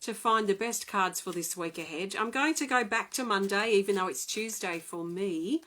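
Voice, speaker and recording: A woman, excitedly and chattily reading oracle cards in a live stream from home. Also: medium pitch, normal speed. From Australia. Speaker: oracle card reader.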